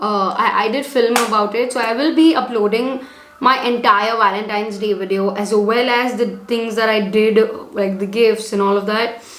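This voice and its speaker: A woman speaks at a moderate pace with a fairly high pitch and fairly even intonation, with audible room echo and noticeable background noise. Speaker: beauty vlogger. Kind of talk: get-ready-with-me makeup tutorial chat. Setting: sitting on the floor at home filming. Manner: speaking softly, partner in next room.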